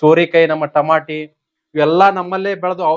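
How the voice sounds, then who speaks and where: His pitch is fairly high for a man. The sound is dry and close, with no echo. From north Karnataka, Vijayapura district (Almel). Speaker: organic farmer. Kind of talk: interview, farm tour.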